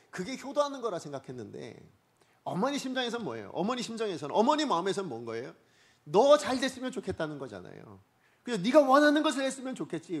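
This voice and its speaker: A man preaching a Sunday sermon, moving between loud emphatic peaks and quiet, low storytelling. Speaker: pastor.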